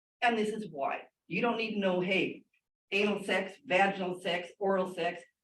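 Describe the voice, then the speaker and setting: This is a woman speaking. Her pitch is medium. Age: 60s. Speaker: member of the public commenting at a school board meeting. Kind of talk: public comment. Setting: school board meeting. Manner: animated.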